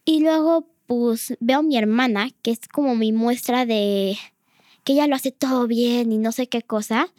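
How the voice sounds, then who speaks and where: A woman's voice: on the high side, measured pace, a little mellow, no room sound, clean studio sound. A teenage girl, a podcast guest, sharing her feelings in an earnest, hesitant way. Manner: hesitant, many fillers and restarts, earnest. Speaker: guest, host's daughter. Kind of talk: casual personal sharing.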